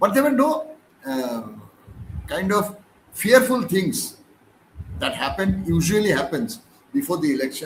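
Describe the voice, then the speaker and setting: The speaker has a Bengali accent and a moderate pace. The pitch swings very widely. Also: man. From West Bengal, India. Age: 60s. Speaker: political commentator. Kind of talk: podcast discussion.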